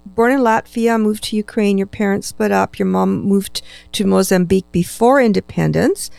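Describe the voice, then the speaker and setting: A woman's voice: medium pitch, moderate pace, gravelly, a little mellow, clean tone, dry recording. A woman interviewing a guest in a conversational style, encouraging and responsive. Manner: encouraging, frequent backchannel responses.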